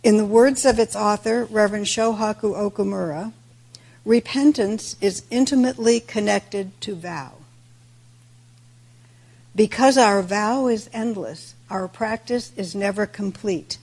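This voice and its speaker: A woman delivers a reflective Buddhist talk at a very slow pace. Her voice is raspy and creaky, and she sets out each phrase deliberately. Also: medium pitch, darkish tone. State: raspy voice today with throat clearing. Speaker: Buddhist teacher giving a dharma talk. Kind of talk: sermon, reflective religious talk.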